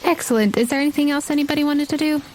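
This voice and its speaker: A woman's voice: high voice, racing, a little mellow, slight background noise. A woman acting as game master, narrating a tabletop role-playing game in a descriptive, scene-setting way.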